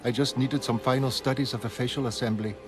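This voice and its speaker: A man voicing a precise, aloof female illustrator who speaks crisply. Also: medium pitch, steady tone, fast talker, lightly acted. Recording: music underneath.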